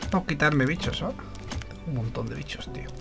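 Man, high-pitched, chatty gameplay commentary, soft music behind. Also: a little fast, vocal fry. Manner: chatty, swears casually, talks to viewers. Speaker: gaming channel host.

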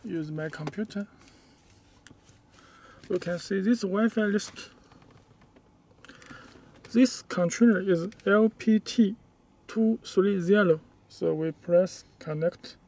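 A man who is not a native English speaker gives a step-by-step hands-on demonstration inside a car, in halting, short, simple phrases. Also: high-pitched, vocal fry, a little mellow. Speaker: product demonstrator.

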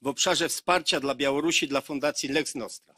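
A man's voice: on the high side, normal speed, sharp tone, no room sound, studio quality. A man questioning a witness at a hearing in a probing, pressing way. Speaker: committee member questioning a witness. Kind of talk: formal questioning.

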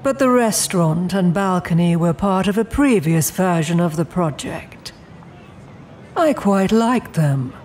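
Immortal female demon, audio drama, refined, commanding, quietly threatening, unhurried delivery, faint ambient noise. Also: fairly low pitch, animated. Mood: composed, reflective. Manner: genteel, deliberate, coolly imperious. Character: poised, menacing immortal female demon in charge.

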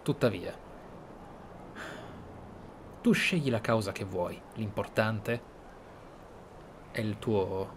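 A man's voice: lowish voice, slow, long pauses, background noise. A man giving casual, reflective roleplay commentary on a video game, explaining and repeating words for emphasis. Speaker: gaming streamer, player. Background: game sound.

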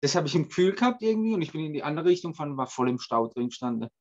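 A man's voice: on the high side, sing-song, very fast, highs cut off, slight background noise. A man taking part in an online coaching group, telling a story plainly and eagerly and stumbling over some words. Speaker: participant. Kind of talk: casual chat on a video call.

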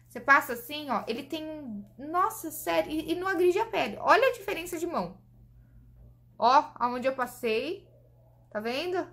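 Woman, high voice, Brazilian, chatty beauty vlogger, shows products on camera. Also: a bit bright. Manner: chatty, enthusiastic, addresses viewers as "gente"; demonstrating products while talking. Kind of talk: casual product review to camera.

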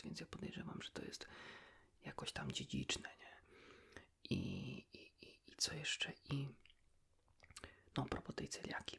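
A man speaking in a hushed, breathy whisper, chatting casually and confidingly as if to a friend in an ASMR style. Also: a bass voice. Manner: colloquial, rambling, ends phrases with a tag question. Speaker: ASMR creator talking to the listener as a friend.

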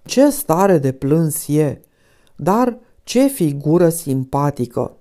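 A kindly older prince, a father who speaks slowly and with a sigh of pity, as a woman narrator puts him on. Her voice is low and mellow, with no change of timbre. It reads like a classic storybook. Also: very animated. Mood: sympathetic. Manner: warm, measured, sighing.

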